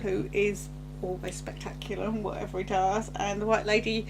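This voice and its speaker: A woman's voice: medium pitch, little pitch movement, normal speed, vocal fry, background noise. A woman co-hosting a podcast, chipping in with agreement and bits of TV trivia in a casual chat. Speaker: podcast co-host. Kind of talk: casual chat about an old TV episode.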